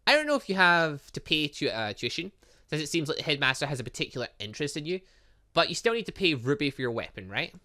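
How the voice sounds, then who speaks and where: A man's voice: fairly high pitch, very animated, fast talker, bright, forceful tone. A man reading the part of a brash, teasing young female student in a visual novel game, breezy and know-it-all. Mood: explaining.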